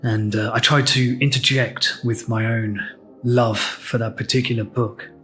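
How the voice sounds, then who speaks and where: A man with an English accent hosting a podcast, telling a personal story in a reflective, candid, unhurried way. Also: mid-range voice, little pitch movement, pushed and bright, faint music behind. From England. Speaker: podcast host.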